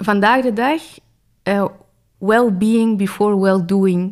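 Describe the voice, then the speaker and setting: In a very clean recording with a silent background, a woman uses an ordinary speaking voice at a moderate pace with fairly even intonation. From Flanders, Kempen region (Belgium). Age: 30s. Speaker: social entrepreneur, cancer survivor. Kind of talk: interview.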